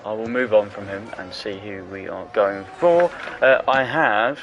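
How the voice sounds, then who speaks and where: A man doing casual, jokey commentary on an online racing league, full of quick asides. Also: on the low side, muffled recording, soft background music. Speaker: race commentator.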